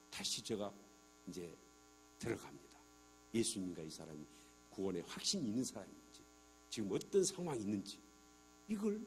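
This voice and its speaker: A man's voice: mid-range voice, breathy edge. A middle-aged man, a church elder, giving an evangelistic testimony sermon to a congregation, acting out conversations and asking the listeners rhetorical questions. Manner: animated, acts out dialogues in quoted voices. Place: church sanctuary.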